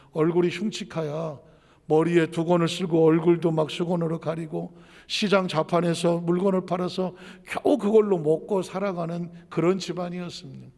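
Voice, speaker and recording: Middle-aged male Korean pastor, storytelling sermon, raised gravelly voice, reverberant hall. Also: a little high, a little mellow. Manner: storytelling, asks the congregation questions.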